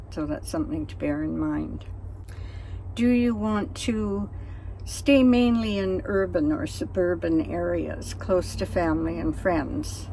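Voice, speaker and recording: A woman with a Canadian accent, audible room echo around her voice. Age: 70s. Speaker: full-time nomad vlogger. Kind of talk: casual vlog talk. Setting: outdoors by a river. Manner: halting, with fillers.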